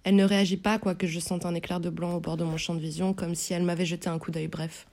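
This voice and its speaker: Gravelly, low-toned woman narrator. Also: level tone, quick pace, a little mellow. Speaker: audiobook narrator. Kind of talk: first-person novel reading.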